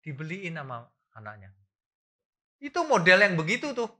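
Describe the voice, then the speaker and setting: A middle-aged man preaching a sermon as a pastor, asking the congregation questions and swinging from quiet asides to loud exclamations. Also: high voice, wildly swooping pitch, normal speed.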